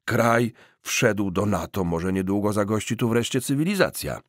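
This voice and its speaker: A man voicing a gruff, grumbling gangster in an audiobook, with blunt, muttering street talk. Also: fairly low pitch, expressive, normal speed, no echo, clean studio sound. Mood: brooding.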